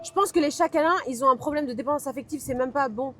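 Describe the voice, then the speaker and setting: Young woman, high and quick, blunt opinions in relaxed chat. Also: over music. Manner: opinionated, frank. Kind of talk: casual chat.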